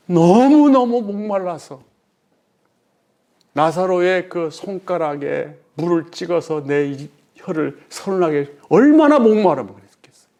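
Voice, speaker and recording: A middle-aged male pastor preaching a sermon in a fairly high voice. He presses his points with rhetorical questions to the congregation. His delivery swings between raised, emphatic lines and sudden hushed, low phrases.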